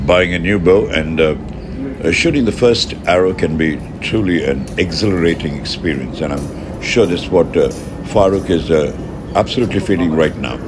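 Moderate pace, ordinary pitch variation, and a very deep, low male voice, all against noticeable background noise. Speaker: archery coach, vlogger. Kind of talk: commentary. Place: open country. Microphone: phone near.

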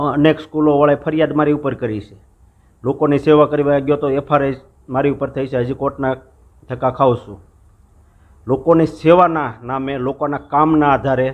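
A man with a fairly high pitch speaks in a monotone, flat intonation, with big swings in loudness. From Saurashtra, Gujarat (Bhavnagar/Amreli). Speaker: politician, election candidate. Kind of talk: interview.

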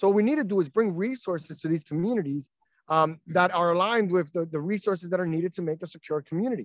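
At a very fast pace, a man with an American accent speaks in a high pitch with ordinary pitch variation, the sound dry with no echo and the background quiet. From Brooklyn, New York (Williamsburg). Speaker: city council member and borough president candidate. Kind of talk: interview. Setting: outdoors. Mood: upbeat, smiling. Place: garden. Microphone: phone near.

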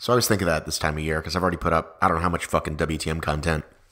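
A man's bright, sharp tone comes through against a quiet background. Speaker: podcast host. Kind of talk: casual podcast intro chat. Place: home room.

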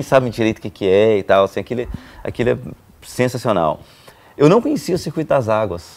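With lively intonation, a man speaks in long, frequent pauses. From Minas Gerais, Brazil. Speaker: long-distance walker. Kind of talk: interview answer. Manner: hesitant, casual. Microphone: lapel.

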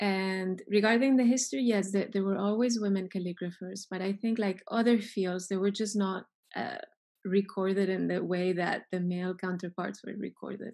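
The speaker keeps a moderate pace and fairly even intonation against a quiet background. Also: woman. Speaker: panelist. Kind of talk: interview answer. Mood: warm, engaged. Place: home room. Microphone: video call.

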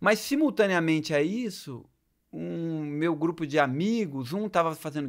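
Lively intonation marks a man's speech over a quiet background. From Brazil, Campinas (São Paulo state); São Paulo state, Brazil. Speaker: cellist, cello teacher and clown; cello teacher. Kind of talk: interview conversation. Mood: relaxed, reflective. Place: home room. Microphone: studio mic.

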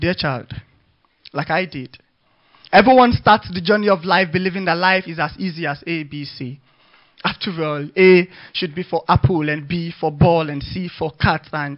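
A man with a Nigerian accent speaks at a moderate pace in a high pitch with ordinary pitch variation, big swings in loudness and long, frequent pauses, while music plays in the background. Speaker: spoken word poet. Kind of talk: live spoken word poetry performance addressed to his child. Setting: stage with live open mic audience. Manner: rhythmic, incantatory delivery with repeated refrains; building, exhortative intensity with emphatic commands.

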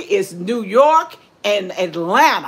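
With a Southern US accent, a woman speaks in a warm tone with lively intonation. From US South. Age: 70s. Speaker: cooking channel host; home cook live streamer. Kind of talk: livestream cooking demo. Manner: warm, chatty. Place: kitchen. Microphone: phone near.

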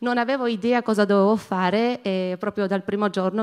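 A woman with a medium-pitched voice talks at a moderate speed. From Georgia. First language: Georgian (speaking Italian). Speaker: European volunteer. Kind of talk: testimony.

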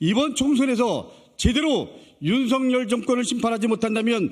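A man talks at a fairly slow pace. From South Korea, Anyang. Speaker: politician. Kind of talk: press conference statement. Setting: press conference. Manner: formal.

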